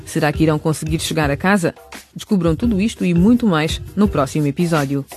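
A man's voice: on the high side, fast. A man reading scripted narration for a radio series as its narrator. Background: music.

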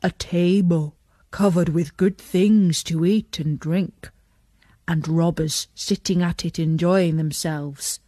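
Storybook donkey, played by a woman: big male leader, eager, unhurried, lowish voice, dry sound. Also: steady tone, mellow, no echo. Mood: pleased, admiring. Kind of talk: storybook character voice.

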